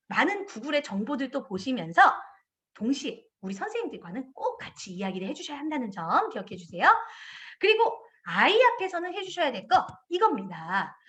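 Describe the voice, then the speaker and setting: A woman's voice: fairly high pitch, very animated, a little fast, fairly bright tone. A middle-aged woman, a kindergarten director, giving a parent education lecture and acting out children and parents in quoted voices.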